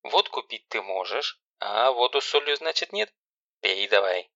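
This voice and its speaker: A man voicing a stern, sarcastic older sister who gives loud, harsh commands. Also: medium pitch, lively intonation, normal speed, dry recording. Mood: harsh commanding. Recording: dull lo-fi recording.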